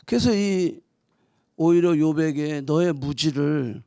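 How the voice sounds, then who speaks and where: A woman pastor giving a conversational sermon, moving between soft asides and loud emphatic bursts, and acting out teasing mock quotes. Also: low-pitched, slow, no room sound, clean studio sound.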